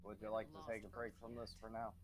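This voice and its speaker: A man's voice: fairly low pitch, level tone, fast. A man chatting on a group stream call in a dry, blunt way. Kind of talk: casual chat. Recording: loud keyboard clicks behind. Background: loud keyboard typing.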